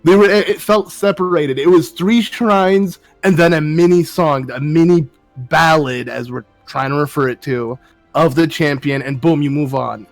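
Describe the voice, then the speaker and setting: A man's voice: on the high side, normal speed, soft background music. A man guesting on a casual gaming chat, laid-back and joking, often trailing off mid-thought.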